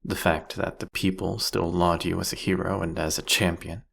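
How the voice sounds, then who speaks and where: A man playing a captured vampire king in an audio roleplay, sardonic and silkily menacing, with a husky, gravelly voice and theatrical, taunting phrasing. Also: sits low, flat delivery, a bit bright, a little hiss or hum, full character voice. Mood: sly, probing. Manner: theatrical, mocking, drawn-out, teasing phrasing. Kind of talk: scripted audio roleplay monologue addressed to the listener.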